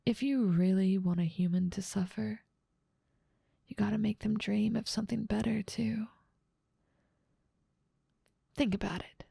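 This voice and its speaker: A woman's voice: mid-range voice, steady tone, unhurried, gravelly, pauses often, mellow, husky, dry recording, studio quality, exaggerated voice. A woman playing a dominant, teasing female demon ruler of hell in an ASMR roleplay, with playful menace and amused condescension. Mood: darkly relishing. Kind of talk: ASMR roleplay audio drama.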